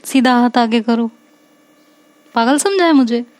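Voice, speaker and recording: A bossy, jealous young woman, voiced by a female storyteller, snaps sarcastic demands. Her voice sits fairly high but sounds soft and mellow. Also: a little slow, no echo, lightly acted.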